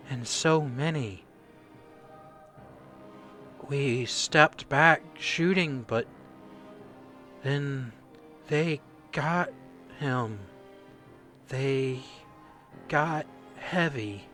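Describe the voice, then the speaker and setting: A man acts out a shaken male corporal in a radio play. He speaks very slowly, in fragments, as if haunted by what he recounts. The voice is mid-pitched with a forceful, bright edge. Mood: sedated, grieving. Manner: halting, haunted, fragmented delivery. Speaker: voice actor.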